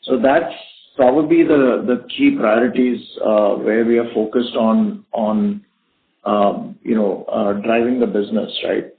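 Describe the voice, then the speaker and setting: A male company executive answering questions on an earnings call, speaking haltingly and often tagging his statements with "right?". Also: lowish voice, fairly even intonation, a little hiss or hum. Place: conference call. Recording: narrowband phone conference line.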